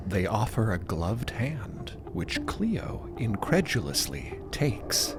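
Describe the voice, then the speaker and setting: A man narrating a scripted story in an expressive, theatrical way. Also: lowish voice, takes it slowly, background noise.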